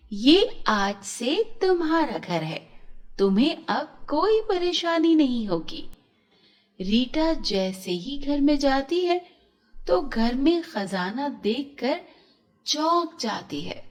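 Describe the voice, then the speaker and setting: Female storyteller for kids' cartoons: high, lively pitch, slow delivery. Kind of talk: scripted children's story narration.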